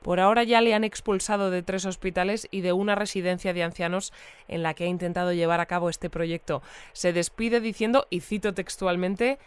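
An actress playing a composed female radio news presenter in an audio drama, speaking in a measured, polite, articulate way. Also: fairly low pitch, fairly even intonation, clear, resonant tone, no echo, lightly acted.

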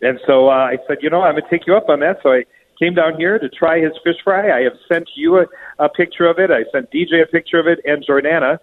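A man's voice: fairly high pitch, quick pace. A man chatting casually on air as a show regular, phoning in from an echoey public bathroom. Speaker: radio show regular reporting by phone. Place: echoey public restroom in a restaurant. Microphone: phone. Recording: noisy phone line, echoing public bathroom.

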